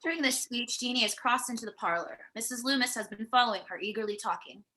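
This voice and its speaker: A woman's voice: a little high, quick pace, sharp tone. A woman narrating a screenplay, reading out scene headings and stage directions for a table read. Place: remote virtual table read.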